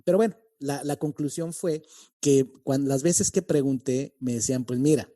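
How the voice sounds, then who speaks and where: A man from Mexico City with a neutral Mexican accent, hosting a podcast interview and talking in a reflective, halting way with many restarts. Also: medium pitch, mellow, no room sound, clean studio sound. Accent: neutral Mexican Spanish. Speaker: podcast host.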